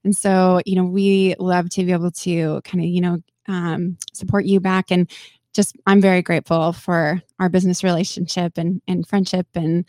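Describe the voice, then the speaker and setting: A woman's voice: lowish voice, level tone, moderate pace, no room sound, studio quality. A woman hosting an interview in a casual chat, full of fillers and restarts. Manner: warm praise, many fillers and restarts. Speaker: podcast host and business owner.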